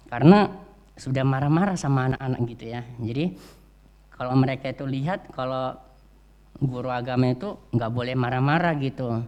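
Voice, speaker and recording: An Indonesian religion teacher preaches a sermon in a church with a medium-pitched, darkish voice. He tells stories conversationally, sprinkling in many "ya" and "eh" fillers.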